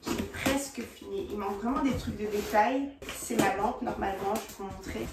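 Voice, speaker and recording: A young woman chatting casually to her viewers in a vlog, excitable, slipping in English slang. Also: mid-range voice, fairly quick, roomy sound, distant mic, very noisy. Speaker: vlogger.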